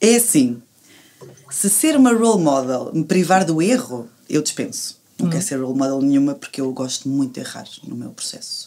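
A woman with a very deep, low pitch speaks at a moderate pace, with very wide pitch swings and big swings in loudness. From Portugal, Lisbon. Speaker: graphic designer and design course coordinator. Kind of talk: casual interview conversation. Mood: relaxed, reflective. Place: studio. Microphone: studio mic.

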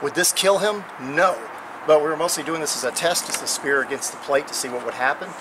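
A man rattles along at a very fast pace as noticeable background noise carries on. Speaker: medieval weapons reenactor. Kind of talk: commentary on a test. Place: garden. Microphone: phone near.

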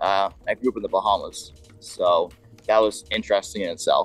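A man's voice, dry and echo-free, over faint background music. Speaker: remote guest. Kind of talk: interview answer. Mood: calm, reflective testimony. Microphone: video call.

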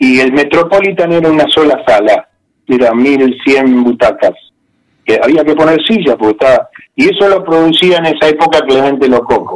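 A man with a Rioplatense accent, fairly high in pitch, with lively intonation, a moderate pace and very even loudness. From Argentina, Buenos Aires (Boedo). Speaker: singer. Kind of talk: interview.

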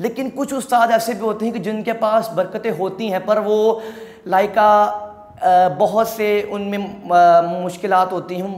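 At a fairly slow pace, a man with a high pitch and ordinary pitch variation speaks amid audible room echo. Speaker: presenter. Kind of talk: religious talk to children. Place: studio. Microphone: lapel.

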